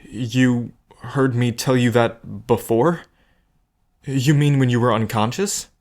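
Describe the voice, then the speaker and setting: A man's voice: medium pitch, slow, darkish tone, lightly acted. A man playing an earnest, protective gambler in an audio drama, with a sincere, slightly awkward manner. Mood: flustered, tender.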